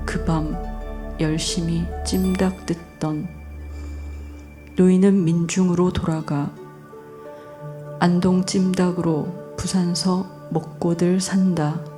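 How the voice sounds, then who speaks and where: Woman, low voice, very slow delivery, gentle poetry reading, faint music behind. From North Gyeongsang, Korea. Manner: soft, unhurried, gentle laughs. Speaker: guest poet. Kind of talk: poetry reading and radio chat. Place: public radio broadcast stage.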